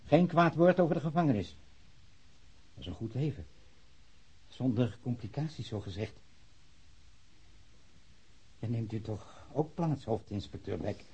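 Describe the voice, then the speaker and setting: An actor playing a formal, evasive ex-convict villager being questioned by police in a radio drama. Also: male voice, mid-range voice, animated, a little slow, long pauses, darkish tone, slight background noise, lightly acted. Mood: contented. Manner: stiff, precise, evasive. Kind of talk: naturalistic Dutch radio drama acting. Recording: muffled, dull radio drama recording.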